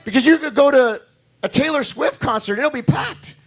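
Hoarse male pastor, high-pitched, repetitive and emphatic preaching style. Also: normal speed, fairly bright tone. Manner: talks to the congregation directly, asking for amens. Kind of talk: sermon.

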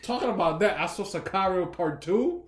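A man co-hosting a casual, profane podcast chat, telling stories in an animated way. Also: high-pitched, normal speed, roomy sound, a crowd in the background. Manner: animated storyteller, acts out quotes with shouty put-on voices. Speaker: podcast co-host.

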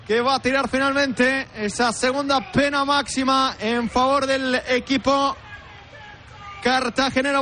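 A man calls a football shootout live on radio in a very high, sharp voice. He is emphatic and repeats phrases, with faint stadium noise behind him. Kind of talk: live penalty shootout commentary.

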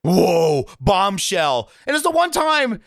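A man co-hosting a casual comedic podcast, jokey and animated, acting out the people he quotes. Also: high-pitched, takes it slowly, no echo, studio quality. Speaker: podcast co-host.

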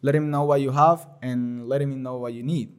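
A man's voice: mid-range voice, normal speed, clean tone. Colombian dude in his 20s, spanish native, chill podcast guest, lots of "you know". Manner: relaxed, loose non-native phrasing with many fillers. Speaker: guest, liquor store owner. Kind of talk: casual podcast chat.

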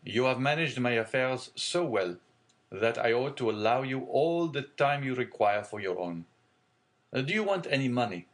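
A man reading aloud and voicing a genial, fatherly older shipowner in a hearty, booming manner. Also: expressive, moderate pace, natural voice. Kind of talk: audiobook character reading.

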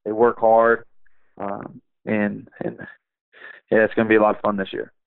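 A young man, an assistant wrestling coach, talking in a relaxed, rambling way with many fillers, in a podcast interview over a phone line. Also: on the low side, moderate pace, vocal fry, clear, resonant tone, no echo. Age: young adult.

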